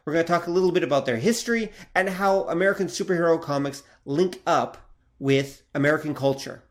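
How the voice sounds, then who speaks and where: A man hosts a casual podcast and steers the conversation. He talks in an easy, mid-pitched voice. Now and then he adds a playful, theatrical flourish. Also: a little fast. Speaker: podcast host.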